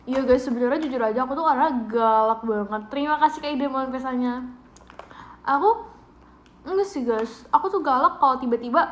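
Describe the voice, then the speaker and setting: A young Indonesian-accented woman hosts an idol livestream from her bedroom at home, chatting casually and playfully with viewers and giggling a lot as she reads out their gifts. Her voice is high and bright, with a roomy echo from the room.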